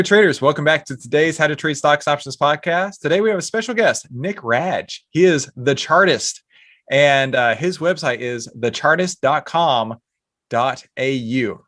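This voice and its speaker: A man's voice: a little high, lively intonation, normal speed, fairly bright tone, dry recording, studio quality. Eager podcast host, man. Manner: eager, many restarts and fillers. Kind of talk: podcast interview.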